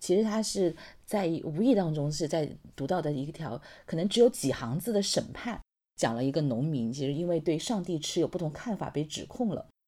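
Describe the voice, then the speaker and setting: A woman at a moderate pace, fairly low in pitch with a dark, mellow tone and very wide pitch swings, on a very clean recording with a silent background. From Chongqing. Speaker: podcast host, journalist. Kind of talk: interview.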